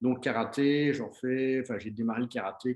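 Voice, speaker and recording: The intonation is flat and monotone throughout. It belongs to a man. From Belgium, Liège region. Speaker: biochemist and wellness coach. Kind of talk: conference talk.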